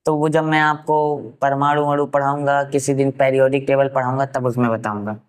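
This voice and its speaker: A man with a smooth, resonant voice at a middle pitch teaches a science class. He poses questions and answers them himself. He repeats key terms slowly so students can write them down. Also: little pitch movement. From Uttar Pradesh, India.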